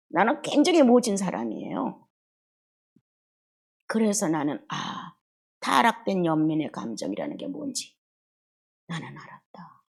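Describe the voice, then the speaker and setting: Middle-aged female preacher, husky delivery, emotional sermon with wide swings from bursts to near-whispers. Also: on the low side. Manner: emotional, swings between loud outbursts and hushed murmurs. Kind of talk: expository sermon.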